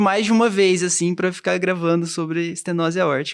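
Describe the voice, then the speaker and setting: A man speaks fairly quickly in a high voice with a flat, monotone delivery. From Minas Gerais, Brazil. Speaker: cardiologist and podcast co-host. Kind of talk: casual chat. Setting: studio.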